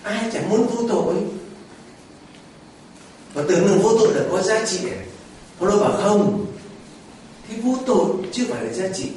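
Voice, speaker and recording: A man preaching a lively Catholic homily, animated and colloquial, full of rhetorical questions. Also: high voice, normal speed, long pauses. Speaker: priest. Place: church. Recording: echoey hall from far off, faint noise.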